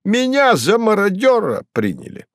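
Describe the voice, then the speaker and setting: A man voicing a boastful, excitable male talking cat who exclaims and rambles in a high, fussy voice. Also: unhurried, vocal fry, no room sound, studio quality, exaggerated voice. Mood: excited pleading.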